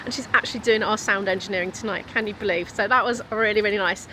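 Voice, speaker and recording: A woman's voice: medium pitch, steady tone, fast talker, sharp tone, roomy sound, slight background noise, rough recording. Chatty British woman vlogging to camera. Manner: chatty, rambling, cheerful asides to camera. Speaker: vlogger and musician. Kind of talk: casual vlog chat. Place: venue cafe, then at home. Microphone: handheld camera.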